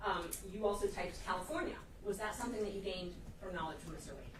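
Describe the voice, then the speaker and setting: A woman's voice: mid-range voice, quick pace, roomy sound. A woman lawyer cross-examining a witness in a courtroom, questioning in a pressing, persistent way. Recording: distant mic with clear room noise.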